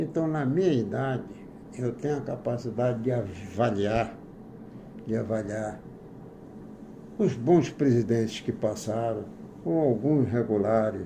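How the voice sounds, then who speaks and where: Audible room echo surrounds a fairly slow delivery with long, frequent pauses and ordinary pitch variation. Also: man, medium pitch for a man. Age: 90s. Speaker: lawyer and former constitutional rapporteur. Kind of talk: interview. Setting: office. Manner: halting, with repeated words.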